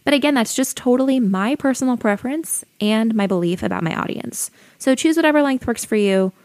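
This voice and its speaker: A young adult woman with a soothing voice, hosting her own podcast and calmly giving friendly advice like a teacher. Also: on the high side, fairly quick, no echo. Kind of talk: solo educational podcast talk.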